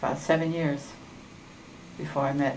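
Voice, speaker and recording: With an American accent, a woman speaks in a very deep, low voice with fairly even intonation. Audible room echo and noticeable background noise come through. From Minnesota, Minneapolis. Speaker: podiatry patient. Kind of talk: casual chat. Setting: podiatry office. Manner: halting.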